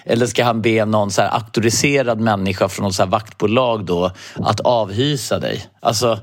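A man co-hosting a podcast in casual chat, joking and argumentative, with hesitant fillers. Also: fairly low pitch. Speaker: podcast co-host.

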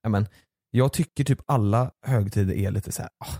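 A man with a low, mellow voice chats casually, blunt and joking, with plenty of swearing. His voice sounds close and dry. He keeps a relaxed, easygoing tone. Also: creaky, slightly rough, no room sound. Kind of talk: casual chat.

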